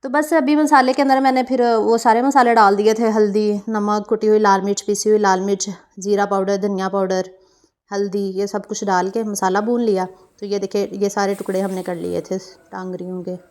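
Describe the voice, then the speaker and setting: A woman's voice: mid-range voice, level tone, moderate pace, a little mellow. Young Pakistani woman, mid-range voice, talking viewers through her cooking in a rambling way. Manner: chatty, meandering, with frequent fillers and self-corrections. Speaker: cooking vlogger. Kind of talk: casual vlog narration.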